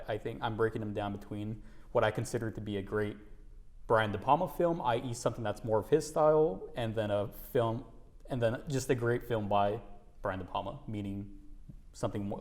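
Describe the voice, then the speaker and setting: Young male host, casual and upbeat, chatty interviewer. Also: lowish voice. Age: young adult. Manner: upbeat, laid-back, lots of fillers and laughs.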